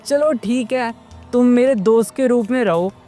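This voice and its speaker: A man doing a cheeky eleven-year-old village boy, high and teasing. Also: a little slow, warm tone, faint music behind. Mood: playful. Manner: playful, teasing.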